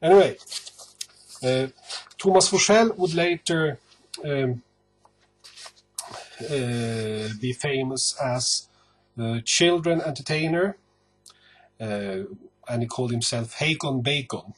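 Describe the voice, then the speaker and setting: Talking to the camera about his records, a northern Swedish man with a Swedish accent takes his time, hesitating and pausing often in a casual manner. His voice sits at a medium pitch.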